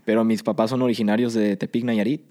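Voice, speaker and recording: Mellow young man. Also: on the low side, little pitch movement, quick pace. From Southern California. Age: young adult. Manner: easygoing, rambling, with frequent fillers. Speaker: guest entrepreneur. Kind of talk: casual interview storytelling.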